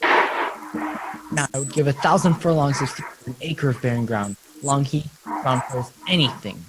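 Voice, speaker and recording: A man playing a wry, loyal old counsellor in an amateur Shakespeare radio play, reading archaic lines haltingly. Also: medium pitch, natural voice. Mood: wry resignation. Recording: clearly noisy live amateur recording.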